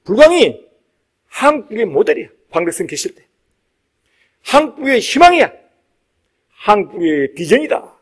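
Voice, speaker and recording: Male monk, high-pitched voice, emphatic dharma preaching with repeated phrases and informal asides. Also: very animated, moderate pace, long pauses, husky. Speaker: Buddhist monk giving a dharma talk. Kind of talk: sermon.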